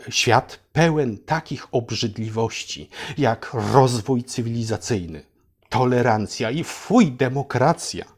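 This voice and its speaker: A man voicing a mock-sweet storyteller who lectures children condescendingly and fawns solemnly over his ruler in a satirical fairy tale for adults. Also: mid-range voice. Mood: mock wonder.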